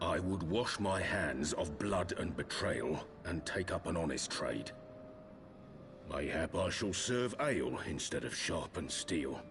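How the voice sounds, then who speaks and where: Someone uses a put-on character voice at a fairly slow pace. Loud music plays in the background. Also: man. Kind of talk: archaic high fantasy speech. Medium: video game. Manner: blunt, weary.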